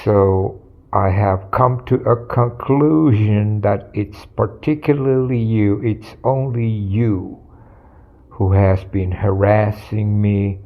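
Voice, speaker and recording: A middle-aged man speaks very slowly in a gravelly, fry-edged voice that sits somewhat low. The recording sounds dull and lo-fi. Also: fairly even intonation. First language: Finnish. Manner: slow, deliberate, formal phrasing. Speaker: video blogger. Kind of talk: direct-to-camera address.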